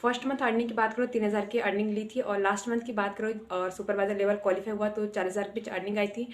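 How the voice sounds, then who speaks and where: A young woman from Dehradun giving a brisk testimonial, running through points one after another. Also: mid-range voice, level tone. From Dehradun, Uttarakhand, India. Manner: brisk, list-like phrasing. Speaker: network marketing member. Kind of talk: testimonial self-introduction. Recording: echoey room.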